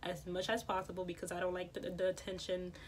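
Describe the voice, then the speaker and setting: Woman, stutters, repeats words, lots of fillers, casual vlog talk, slightly low voice. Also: monotone, fast, slight background noise. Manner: many fillers, soft-spoken. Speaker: vlogger.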